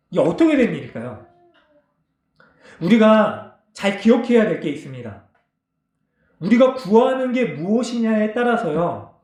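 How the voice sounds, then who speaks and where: Guy pastor preaching, high voice swinging all over, asks the room questions, echoey church. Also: darkish tone. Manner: explains and asks the congregation questions, acts out quoted lines. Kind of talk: sermon.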